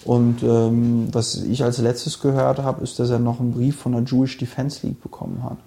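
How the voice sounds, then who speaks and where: A man in casual podcast talk, spinning brash anecdotes with blunt asides. His voice is gravelly and dark, mid-pitched. He rushes through stretches in fast bursts. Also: level tone. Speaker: guest.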